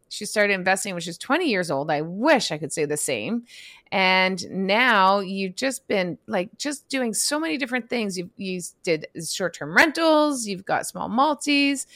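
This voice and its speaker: A woman's voice: mid-range voice, a bit bright, no echo, studio quality. A woman hosting an interview, asking loose, chatty questions with frequent restarts. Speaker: podcast host. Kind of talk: casual interview.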